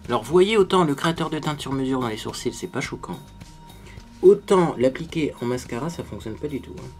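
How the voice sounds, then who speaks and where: A man's voice: mid-range voice, lively intonation, fairly quick, faint music behind. Chatty man doing a makeup tutorial. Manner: chatty, self-mocking, tags sentences with "hein". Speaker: beauty vlogger.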